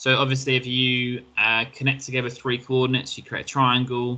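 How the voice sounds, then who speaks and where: A man with an English accent speaks at medium pitch in a bright, sharp tone. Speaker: maths teacher. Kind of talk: recorded online lesson. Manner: hesitant, many ums and uhs.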